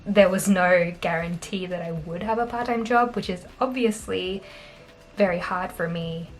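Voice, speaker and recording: A young Australian woman in her twenties, chatting casually on camera in a small bedroom, upbeat and quick to laugh. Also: lowish voice, soft background music. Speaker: vlogger. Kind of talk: casual talking-head finance vlog.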